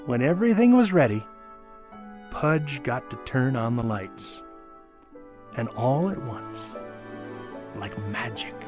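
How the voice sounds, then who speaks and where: A man giving a theatrical, expressive dramatic reading of a childhood holiday memoir, with wonder and deliberate pauses. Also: medium pitch. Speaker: storyteller. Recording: music under the voice. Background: music.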